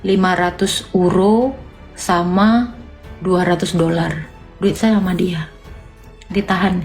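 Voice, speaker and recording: A woman's voice: steady tone, takes it slowly, faint music behind. A woman hosting a casual livestream, answering viewer comments in an emotional, defensive way and talking straight to her audience. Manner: voice jumps high when agitated. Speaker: livestream host.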